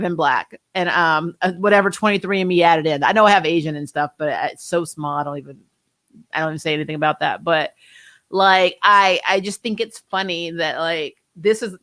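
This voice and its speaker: A woman in her forties hosts an unscripted chat, answering viewers with a rambling, talkative manner and frequent laughs. Her voice sits at a medium pitch and sounds dry and close, with no room echo. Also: fairly bright tone. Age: 40s. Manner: chatty, rambling, laughs often. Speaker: host reading viewer comments. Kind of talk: casual livestream chat.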